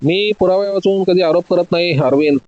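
A man's voice: high-pitched, a little fast, no echo, lo-fi sound, natural voice. A man playing a coolly commanding detective. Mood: accusing. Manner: calm, commanding, methodical. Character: cool, confident male detective.

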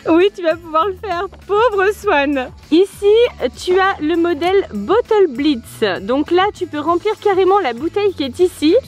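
A woman's voice: very high voice, lively intonation, measured pace, few pauses. A mother hosting a family vlog outdoors by a garden pool, presenting water toys in a playful, teasing way and laughing often. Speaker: mother and channel host. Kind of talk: toy review vlog narration.

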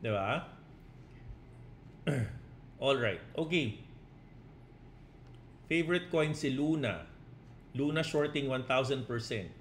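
A middle-aged man coaches crypto traders on a casual live stream, answering chat comments one by one. He talks at an ordinary middle pitch, switching back and forth between Tagalog and English, and checks in with 'no?' and 'di ba?' after nearly every point. A faint hum of room noise runs underneath him. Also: expressive, takes it slowly, long pauses, a bit bright.

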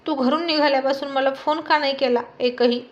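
A woman's voice: high-pitched, fairly even intonation, a little fast, highs cut off, natural voice. A woman voicing a stubborn young wife who complains and insists. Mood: insistent.

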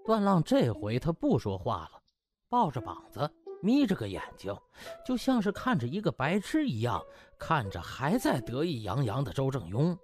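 A man narrating a comic audiobook in an animated storytelling style. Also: medium pitch, moderate pace. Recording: music bed behind.

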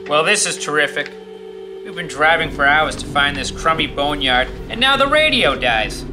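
A man's voice: a little high, expressive, moderate pace, lightly acted. A man acting a sarcastic, taunting older brother in a radio play. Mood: sarcastic, grumbling. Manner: mocking. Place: theatre stage, live reading. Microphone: stand microphone. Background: music.

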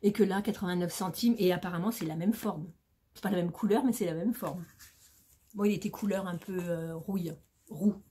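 A woman's voice: fairly low pitch, normal speed, warm tone. Chatty middle-aged Frenchwoman, noisy home recording. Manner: chatty, informal, addresses viewers directly. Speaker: shopping haul vlogger. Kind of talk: casual chatty product haul to camera. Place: small room at home, indoors.

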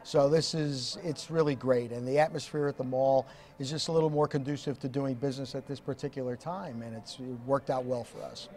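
A man's voice: mid-range voice, fairly even intonation, brisk, darkish tone. A man in his sixties who owns a jewelry store, talking in a friendly sales manner into a reporter's handheld mic in a mall. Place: indoor shopping mall.

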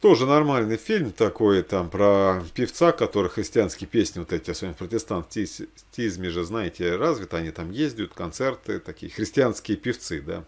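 A man speaking casually and ramblingly as he recommends things to watch, halting and repeating himself for emphasis. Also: lowish voice, expressive, darkish tone. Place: small room indoors.

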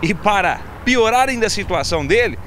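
A man's voice: high voice, animated, fairly quick, fairly bright tone, a little hiss or hum. A man presenting TV crime news, telling the story dramatically, speaking straight to the viewer and acting out people's words in a raised voice. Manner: dramatic, acts out quotes in raised voice. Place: outdoors on a city street.

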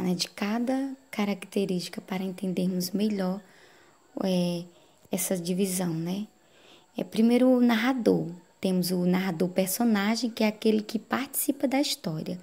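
Woman teacher, dark gravelly voice, patient lesson delivery with constant check-in questions. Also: mid-range voice. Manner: explaining slowly with frequent "né?" tag questions. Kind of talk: recorded lesson for adult students.

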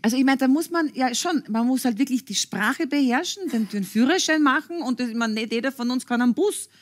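A woman's voice: sits high, lively intonation, brisk. Chatty woman talk show host. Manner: chatty, encouraging. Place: TV studio.

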